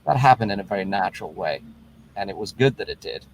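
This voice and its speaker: A man on an investor panel, speaking in a measured, advice-giving way over a video call. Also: fairly low pitch, expressive, creaky, a little hiss or hum, rough recording. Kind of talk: panel discussion.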